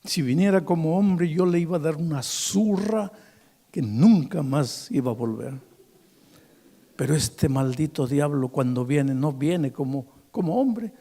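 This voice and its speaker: A male preacher voicing a tearful drunk man who pleads and begs in a quiet, shaky voice. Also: a little high, expressive, unhurried, long reverb tail. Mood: anguished. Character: weeping drunk man begging for punishment.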